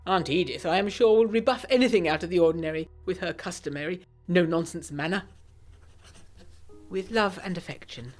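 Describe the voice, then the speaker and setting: Low-voiced, earnest 1920s English gentlewoman played by an actress. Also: brisk, soft background music, natural voice. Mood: resolute, affectionate. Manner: formal, genteel, fervent. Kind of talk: gothic audio drama letter narration.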